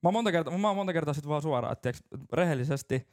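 A man's voice: on the high side, expressive. A man co-hosting a casual podcast chat, telling rambling stories and laughing often. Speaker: podcast co-host.

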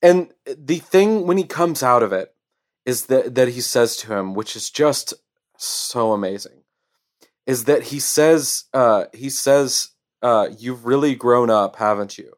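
A man in the middle of an excited podcast chat, breaking down a favorite anime scene. He stumbles over his words and restarts often, and his voice sits at an ordinary middle pitch. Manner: enthusiastic, halting with fillers and restarts. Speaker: podcast co-host. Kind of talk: casual anime review chat.

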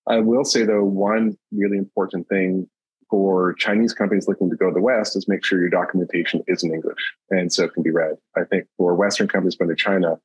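A man speaking as a podcast guest in a measured, explanatory way. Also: deep voice, steady tone, slightly rough, no echo, lo-fi sound. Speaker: podcast guest, industry advisor. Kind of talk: conversational panel discussion.

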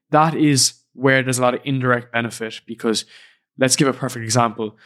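Earnest young Irish podcaster. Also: male voice, medium pitch, a bit bright. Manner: casual, earnest, reflective. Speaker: podcast host. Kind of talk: solo podcast monologue. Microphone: studio podcast microphone.

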